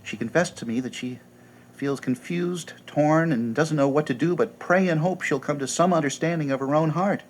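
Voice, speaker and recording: A man's voice: fairly high pitch, normal speed, a little hiss or hum, natural voice, poor audio. An actor playing a fussy, formal young man who speaks in precise, fretful sentences about being hurt in love.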